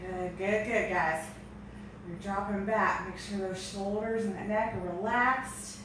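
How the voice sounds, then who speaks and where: A woman's voice: mid-range voice, steady tone, a little slow. A woman coaching a workout as an aerobics instructor, with peppy encouragement and audible exertion in her breathing. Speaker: aerobics and strength instructor leading a home workout. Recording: echoey room, distant mic, noisy.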